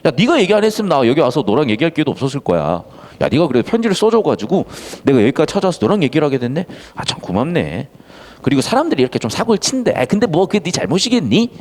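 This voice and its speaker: A teacher acting out a sly, coaxing village chief. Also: male voice, fairly high pitch, big pitch swings, fast, a little mellow. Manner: soothing and ingratiating. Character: scheming older male village chief, coaxing.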